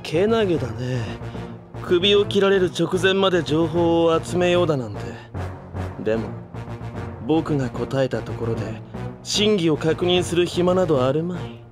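Smug, high-pitched villain swordsman, acted by a man. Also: lively intonation, normal speed, over music, close to an everyday voice. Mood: cruel, condescending. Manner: sneering, theatrical, haughty. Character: smug, sadistic, mocking young male villain swordsman. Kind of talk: Japanese anime-style audio drama acting.

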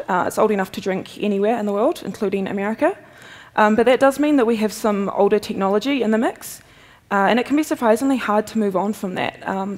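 A young woman with a New Zealand accent giving a quick, chatty technical conference talk with self-deprecating humor at a podium. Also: mid-range voice, a little mellow. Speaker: conference speaker, software developer. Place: large conference hall, at a podium. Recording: long reverb of a big hall.

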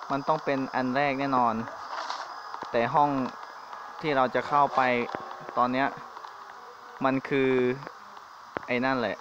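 A man giving nervous, jokey commentary while playing a horror game, often blurting out exclamations. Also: medium pitch. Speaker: gamer. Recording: dull lo-fi mic with insect noise behind.

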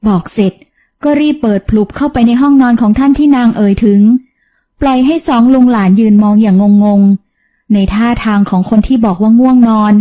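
A woman reads a romance novel aloud as an audiobook narrator. Her telling is gentle and even, her voice mellow and a little high. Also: normal speed.

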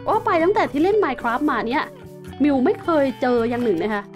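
A woman's voice: high-pitched, big pitch swings, brisk, lo-fi sound, faint music behind. A young woman hosting a survival game video, chatting to viewers and exclaiming as she explores. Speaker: game host. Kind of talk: casual Let's Play commentary.

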